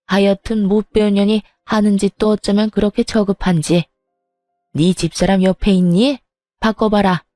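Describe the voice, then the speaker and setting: A woman's voice: mid-range voice, flat delivery, moderate pace, dark tone, no echo, faint music behind, lightly acted. A woman voicing a scornful, defensive older mother-in-law. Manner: scornful, self-justifying.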